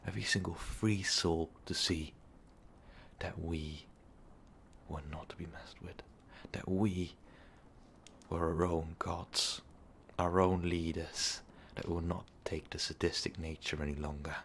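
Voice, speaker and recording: An ancient, brooding vampire overlord, acted by a man, speaks in a very deep, half-whispered voice full of gravel. He delivers a grave, halting ASMR monologue. Clear noise sits behind the voice. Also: fairly even intonation, fairly bright tone, exaggerated voice. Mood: grim recounting. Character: ancient brooding male vampire overlord confessing his dark past. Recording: noticeable background noise.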